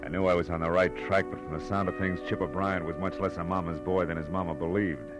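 An actor playing a wry, world-weary private detective in a 1940s radio drama, with a tough, clipped delivery. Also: male voice, sits low, steady tone, quick pace, loud music behind the voice, lightly acted. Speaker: lead actor and narrator.

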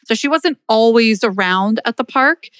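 A woman's voice: fairly high pitch, lively intonation, moderate pace, a bit bright, dry recording. Woman podcaster walking thru a crime case, chatty, dry close mic. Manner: conversational storytelling with fillers. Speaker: podcast host. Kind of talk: true crime narration.

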